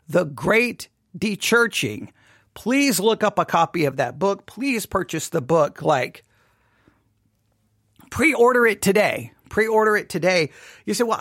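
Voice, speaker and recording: A man with a high, slightly bright voice hosts a solo commentary podcast, recorded cleanly in a studio with no echo. He talks earnestly, repeating points for emphasis and often restarting, and his voice briefly gives out.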